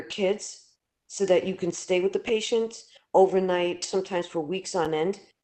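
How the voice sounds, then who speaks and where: A dark, mellow tone at a moderate pace over a quiet background. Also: woman. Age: 60s. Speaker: home health aide. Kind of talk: public testimony at community meeting. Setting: community board committee meeting.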